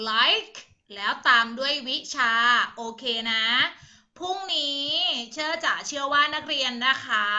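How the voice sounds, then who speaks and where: A young woman teaching a primary school English class over a video call, gently coaxing her pupils and spelling words out slowly. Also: high voice, dull audio.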